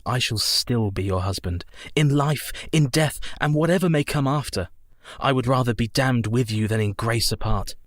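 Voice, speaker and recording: An actor playing an earnest, tender young husband in a radio play. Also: male voice, mid-range voice, no room sound, clean studio sound, natural voice. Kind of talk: community radio play acting.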